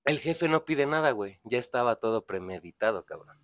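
In studio-quality audio with no room sound, a young Mexican man spins a slangy, profane story, voicing the people in it. He's animated and a little fast, with a mid-range, fairly bright voice.

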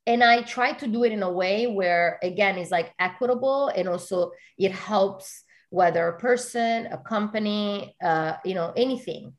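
A woman's voice: mid-range voice, moderate pace, few pauses. A woman from Italy, a guest in an interview, talking in an earnest, casual way and filling her speech with "you know" and "like".

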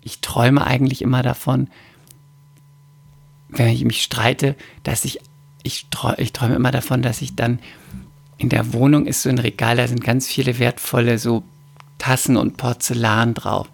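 A woman's voice: extremely low pitch, level tone, moderate pace, creaky, breathy edge. A woman chatting casually as a podcast co-host, teasing and dramatic. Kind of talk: casual chat.

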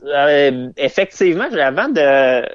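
A man's voice: fairly high pitch, lively intonation, a little slow, no room sound. A young man with a Québécois French accent, a comedian chatting in an interview, rambling and self-amused with lots of fillers and restarts. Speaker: comedian guest. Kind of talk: casual interview chat. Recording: slightly dull lo-fi sound.

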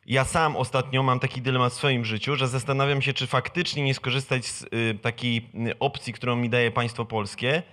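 A man's voice: medium pitch, steady tone, moderate pace, hardly any pauses, sharp tone. A man in the audience at a live meeting, making a casual personal remark from the floor. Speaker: audience member commenting.

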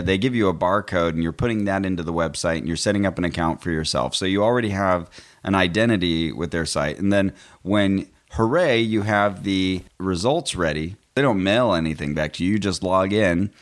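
A man with a notably low voice co-hosts a casual podcast. He talks freely, pokes fun at himself and laughs often. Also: brisk. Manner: chatty, laughs often, self-deprecating. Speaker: podcast co-host.

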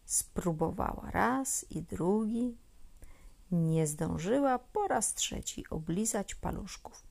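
A woman reading a children's story aloud in a gentle, expressive way, often dropping to a near whisper. Her pitch rises and falls widely, she takes her time, and her voice has a gravelly edge.

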